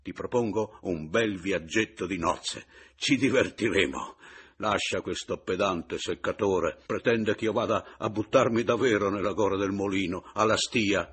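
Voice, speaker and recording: A man voicing a sardonic, teasing man back from supposed death, in a husky, theatrical voice. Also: deep voice, fairly even intonation, normal speed. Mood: mocking.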